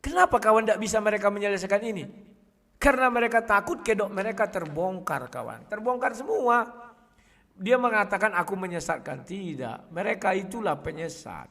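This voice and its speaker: A man speaking casually to his viewers in a combative way, often clearing his throat. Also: high-pitched, animated, brisk, a bit bright, in a large hall. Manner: combative, addresses listeners as "kawan", frequent throat clearing. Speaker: online video host.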